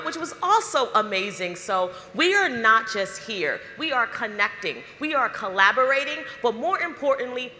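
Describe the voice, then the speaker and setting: A woman's voice: a little high, bright, forceful tone. A woman hosting a live conference as emcee, upbeat and hyping the crowd with questions. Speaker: event emcee. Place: large conference hall. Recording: hall reverb.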